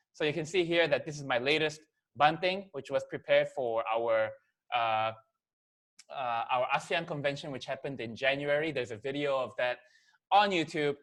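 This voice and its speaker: A man's voice: fairly high pitch, a bit bright. Chatty man giving a business talk. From Korea. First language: Korean. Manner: casual, chatty, many fillers and "okay?" checks. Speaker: presenter. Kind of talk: business presentation to camera.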